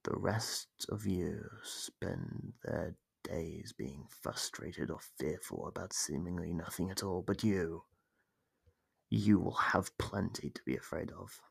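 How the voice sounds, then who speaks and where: Man voicing a deep, gravelly, gloating monster. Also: expressive, no room sound, heavily acted. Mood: mock tender, menacing. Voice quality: gravelly, husky. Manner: taunting, theatrical, drawn-out, often dropping to a whisper. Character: sadistic gloating monster captor who toys with its prey. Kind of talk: ASMR audio roleplay.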